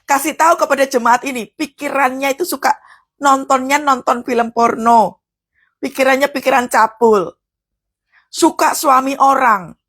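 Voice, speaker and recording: A woman's voice: high-pitched, fairly even intonation, moderate pace, fairly bright tone, husky. A woman preacher, giving a live devotional sermon and telling stories to her listeners, whom she often calls brothers and sisters.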